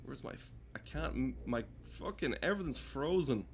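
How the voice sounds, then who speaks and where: A man's voice: medium pitch, expressive, moderate pace, a little hiss or hum. A man streaming a game with casual, rambling commentary, sardonic and given to swearing.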